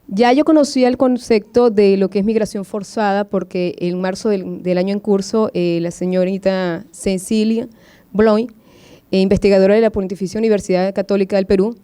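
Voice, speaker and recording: A woman's voice: medium pitch, mellow, clear, resonant tone. A woman from Venezuela, a postgraduate student, asking questions from the audience at a medical symposium with many hesitant fillers.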